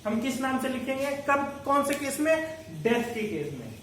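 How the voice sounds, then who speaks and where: A man's voice: very high-pitched, very animated, normal speed, a bit bright. A man teaching an accounting lecture, explaining step by step and calling his students "beta". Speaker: commerce teacher. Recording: very echoey room, distant mic, faint noise.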